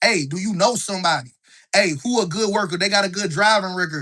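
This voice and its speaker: A man speaks fast-ish with an American accent, his high voice raised and projected. His tone is bright, sharp and animated, with lively intonation. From US South. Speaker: business coach. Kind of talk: live stream business talk. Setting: home kitchen live stream.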